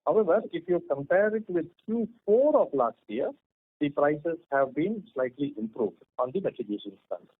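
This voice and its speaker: Executive on a tinny phone line. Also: male voice, fairly high pitch, sing-song, normal speed, no room sound. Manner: hesitant, many fillers and restarts. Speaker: company executive answering analysts. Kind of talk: earnings call answers. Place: conference call over phone.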